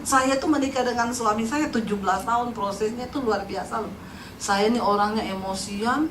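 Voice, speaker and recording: A middle-aged woman pastor from Sulawesi preaching with animated humor. She laughs often and teases her listeners, and her voice sits high. The sound is caught from a distance in an echoey church hall, with a faint hiss. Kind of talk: lively humorous sermon.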